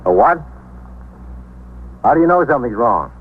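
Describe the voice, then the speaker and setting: An actor playing a brisk police desk sergeant taking phone calls in a 1950s radio drama. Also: male voice, medium pitch, big pitch swings, slightly rough. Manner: brisk, businesslike. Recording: tinny old radio recording.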